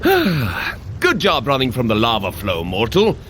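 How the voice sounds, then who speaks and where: An actor playing a hearty, dutiful elder-brother thunder god in an audio drama, with a grand, earnest delivery. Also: male voice, mid-range voice, wildly swooping pitch, measured pace, fairly bright tone, a little hiss or hum. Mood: encouraging, puzzled. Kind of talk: scripted audio drama acting for a fitness app.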